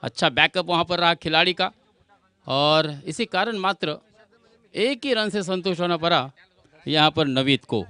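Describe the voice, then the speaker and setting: A man's voice: a little high, lively intonation, unhurried, bright, forceful tone, smooth, no room sound. A man giving live cricket commentary, explaining the play and addressing viewers as friends.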